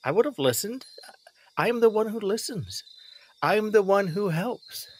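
A man's voice: sits high, lively intonation, moderate pace, slightly rough. An actor playing a protective, exasperated middle-aged father in an audio drama, stammering and repeating himself. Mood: earnest, stern. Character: flustered, protective, exasperated father of a teenage girl. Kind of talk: naturalistic audio drama acting.

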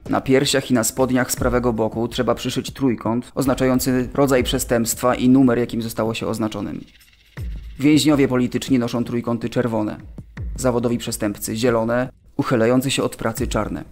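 Male, mid-pitched, sober prisoner testimony acted, radio play with soft music beneath. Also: fairly even intonation, brisk, close to an everyday voice. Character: sober male camp prisoner reporting what he witnessed. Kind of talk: dramatic reading of prisoner testimony in an audio drama. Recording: studio voice over background music.

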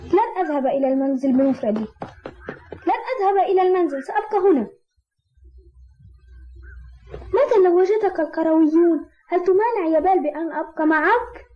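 A woman's voice: very high voice, lively intonation, fairly quick, pauses often, slight background noise. A woman voicing a small, earnest, affectionate boy in a cartoon dub. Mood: pleading. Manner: earnest, childlike. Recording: dull lo-fi old cartoon soundtrack.

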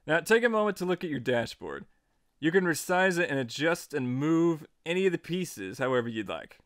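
A man narrating a casual software tutorial as its host, in an informal, jokey and playfully emphatic way. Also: fairly high pitch, very animated, moderate pace, no echo, clean studio sound. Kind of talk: casual tutorial narration over screen recording.

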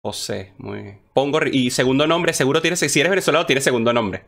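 A young man speaks over a headset from his home streaming room, hosting a video-call interview. He keeps it friendly and brisk, nodding along with "claro" and "muy bien.". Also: mid-range voice, creaky, fairly bright tone. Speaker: interview host.

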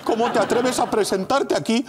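A man's voice: very high voice, moderate pace, background noise. An actor playing a smug, easygoing king who shrugs off scandal. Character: smug, lazy king in a suit. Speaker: satirical sketch actor. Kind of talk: sketch comedy acting.

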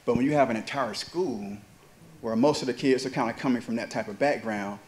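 Earnest man with halting speech. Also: mid-range voice, a little mellow. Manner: earnest, halting, many fillers and restarts. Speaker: honored alumnus, charter school educator. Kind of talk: onstage interview. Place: university event hall with audience. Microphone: handheld mic.

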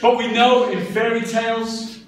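A man in his fifties giving a live talk as a storyteller and teacher trainer, with an animated, theatrical, emphatic delivery. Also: extremely high pitch, a little slow, crowd noise. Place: medium-sized classroom, indoors. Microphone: distant camera microphone. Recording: echoey room, far microphone, background noise.

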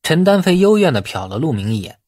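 A man reading a novel as dramatic scripted narration, in a husky voice. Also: a little high, very animated, fast talker, a little mellow, no room sound, clean studio sound. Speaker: audiobook narrator.

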